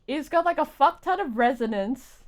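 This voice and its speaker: A woman's voice: high-pitched, expressive, normal speed. A woman chatting casually as she live-streams a video game, rambling and often restarting her phrases. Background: game music.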